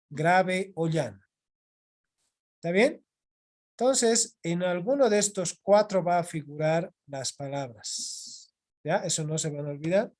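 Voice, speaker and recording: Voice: mid-range voice, darkish tone. A teacher giving an online class lecture, patient, repeating key points and checking in with the students often. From Bolivia. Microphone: video call microphone.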